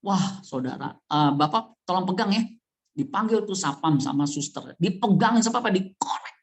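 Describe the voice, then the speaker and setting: Animated pastor. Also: male voice, moderate pace, vocal fry. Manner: animated, with wide swings of pitch and loudness; conversational, addressing the congregation directly. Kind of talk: sermon. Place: church.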